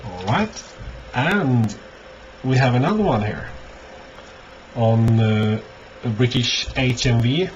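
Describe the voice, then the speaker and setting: A man's voice: mid-range voice, animated. Hesitant man in a dull, noisy recording. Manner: hesitant, halting, thinking aloud. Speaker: record collector presenting finds. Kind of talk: casual unscripted show-and-tell. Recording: dull lo-fi audio, clear background noise.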